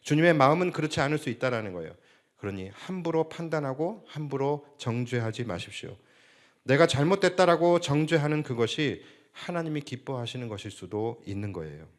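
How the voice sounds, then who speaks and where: A man's voice: mid-range voice, lively intonation, brisk. A male senior pastor preaching a Sunday sermon, asking the congregation rhetorical questions and acting out quoted speech.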